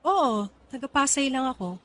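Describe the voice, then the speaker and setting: A woman's voice: sits high, expressive, moderate pace, a bit bright. An actress playing a friendly woman of thirty in a radio drama, casual and a little hesitant. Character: friendly thirty-year-old pregnant mistress. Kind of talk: Tagalog radio drama acting.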